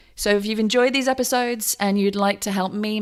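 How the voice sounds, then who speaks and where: A woman with a British accent at a fairly quick pace, on a very clean recording with a silent background. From Britain. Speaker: podcast host. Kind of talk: podcast interview.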